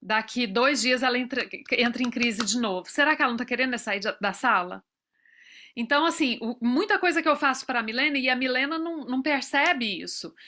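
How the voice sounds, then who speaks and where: Brazilian woman, forties, speaker at a professionals' talk; high, bright voice; tells personal stories and acts out dialogue. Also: expressive, a little fast. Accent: Brazilian Portuguese.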